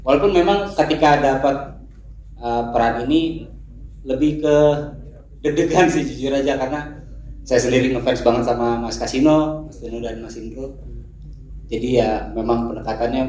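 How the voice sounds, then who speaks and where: A man's voice: mid-range voice, darkish tone. A man who voices a cartoon character, speaking gratefully and chattily at a press conference. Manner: grateful, chatty, laughs between points. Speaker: voice actor for the film. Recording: echoey hall.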